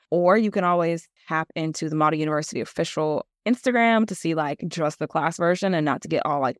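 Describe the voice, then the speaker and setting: A woman's voice: low-pitched, no echo. Chatty nasal woman, dry sound. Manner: chatty, many fillers. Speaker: podcast host and model coach. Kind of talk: casual solo class talk.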